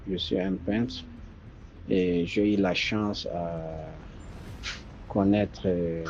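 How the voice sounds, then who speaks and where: A man whose first language is Arabic, politely greeting listeners and starting his story in halting French. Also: sits low, highs cut off, a little hiss or hum. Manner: halting, polite, searching for words. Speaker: listener sharing a personal story. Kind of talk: voice-message testimony.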